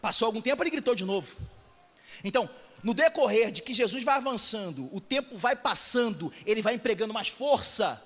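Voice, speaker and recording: A man with a Brazilian Portuguese accent preaching a fervent sermon, often rising to shouted exhortations, in an echoey church hall. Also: sits high, expressive, a little fast. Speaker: pastor.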